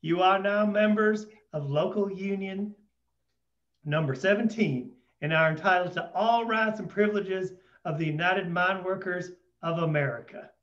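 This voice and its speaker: A man's voice: high voice, normal speed, a bit bright, roomy sound, highs cut off, voice pushed up. A man voicing a stern male union official who leads miners through a formal oath. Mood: solemn. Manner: solemn, formal recitation.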